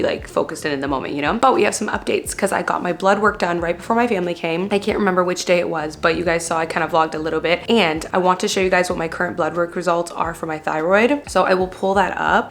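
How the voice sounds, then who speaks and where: A young adult woman from Canada, vlogging casually to camera with a raspy, hoarse voice. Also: lowish voice, a bit bright. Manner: chatty, lots of filler and quick asides.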